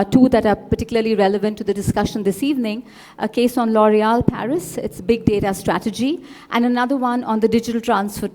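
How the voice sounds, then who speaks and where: Mellow woman introducing a speaker. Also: on the high side. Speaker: event moderator introducing the speaker.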